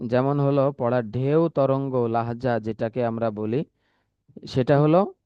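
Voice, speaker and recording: A man gives a patient, step-by-step lesson and repeats key points. His voice is smooth and resonant but sounds a bit dull, and the room sounds dry. He stretches words out slowly when he demonstrates them. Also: medium pitch, dry recording. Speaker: Quran recitation teacher. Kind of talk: spoken lesson.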